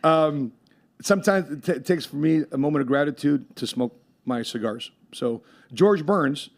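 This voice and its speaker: A man hosting a podcast in casual chat, rambling with many fillers and quick laughs. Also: a little high. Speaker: podcast host.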